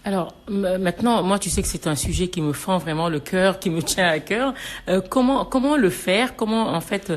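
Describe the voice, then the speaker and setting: Hesitant low-voiced woman radio host. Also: moderate pace. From Senegal. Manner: hesitant, restarts often. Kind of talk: radio talk show chat.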